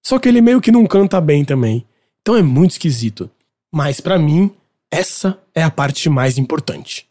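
Brazilian male podcast host, mellow timbre, talks music in a loose, opinionated way. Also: a little high, lively intonation, normal speed. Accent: Brazilian Portuguese. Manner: chatty, opinionated, explanatory. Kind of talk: casual music commentary.

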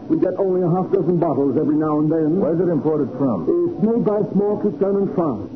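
An actor playing a brisk, commanding private detective in a 1940s radio drama. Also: male voice, on the high side, natural voice. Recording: tinny old radio broadcast with hiss.

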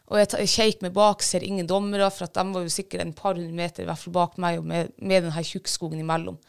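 A woman's voice: lowish voice, little pitch movement, vocal fry, smooth. A woman, a bird dog handler, casually retelling a field trial with many fillers and restarts. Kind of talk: casual storytelling.

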